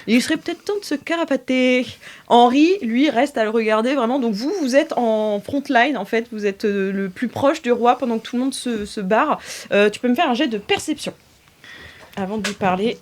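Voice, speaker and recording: A woman's voice: a little high, moderate pace. Hesitant woman running a tabletop game. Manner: hesitant, many fillers, laughs often. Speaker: game master. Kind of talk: narrating an improvised tabletop game.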